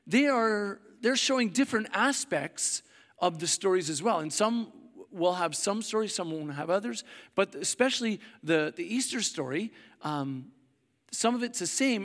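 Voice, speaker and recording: A middle-aged man from Canada, a pastor with a hoarse voice, preaching a sermon in a casual, rambling way with many fillers and restarts. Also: high voice, a bit bright. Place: church hall. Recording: long hall reverb.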